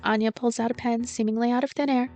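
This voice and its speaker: High-voiced woman narrating a game playthrough. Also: fairly even intonation, quick pace, darkish tone. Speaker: let's play commentator and narrator. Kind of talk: voiced gameplay narration and commentary.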